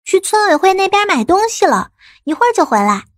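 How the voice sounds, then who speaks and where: A naive village girl in her teens, acted by a woman for an audiobook. Her voice is high and very animated, with a pouty edge. It is recorded close and dry. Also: a little fast, no room sound. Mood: matter-of-fact. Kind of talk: audiobook character dialogue.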